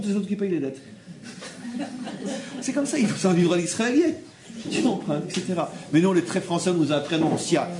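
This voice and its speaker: Animated religious teacher, roomy sound. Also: male voice, sits high. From France. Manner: animated, repeats phrases, acts out quoted people. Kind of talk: Torah class lecture. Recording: roomy room with faint background ambience.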